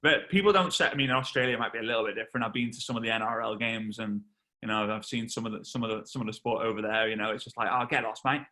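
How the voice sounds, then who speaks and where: A man from England in his thirties, a network marketing trainer telling a lively story on a video call and acting out the voices. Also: lowish voice, racing. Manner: animated storyteller, acts out voices and shouts.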